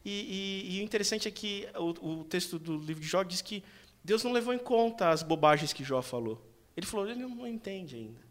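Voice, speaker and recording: A man's voice: high-pitched, animated, fairly quick, a bit bright. A Brazilian man in his thirties in a casual faith discussion, telling emotional personal stories. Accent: Brazilian Portuguese. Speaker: panelist.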